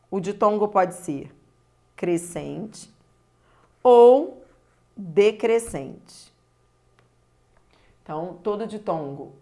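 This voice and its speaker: A Brazilian woman teaching a grammar lesson, stretching key words and speaking straight to the viewer. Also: mid-range voice. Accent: Brazilian Portuguese. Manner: slow and deliberate, stretching key words, addressing the viewer directly.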